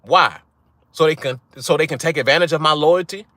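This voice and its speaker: Young man, blunt rant-style host, bright edge, dry close mic. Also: a little high, a little fast, no room sound. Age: young adult. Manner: blunt, profane, repeats "right?" for emphasis. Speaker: channel host. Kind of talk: casual monologue to viewers.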